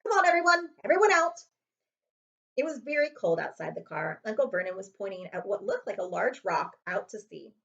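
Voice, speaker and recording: Lady reading a kids chapter book out loud, really lively up and down voice, bit muffled lo-fi. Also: fairly low pitch, fairly quick, gravelly, few pauses. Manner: expressive storytelling with character voices. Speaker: librarian reading aloud. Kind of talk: children's chapter book read-aloud.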